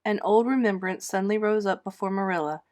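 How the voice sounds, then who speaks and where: A woman's voice: mid-range voice, a little fast, darkish tone. Woman reading a children's novel aloud. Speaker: storybook reader. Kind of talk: expressive read-aloud narration of a children's novel.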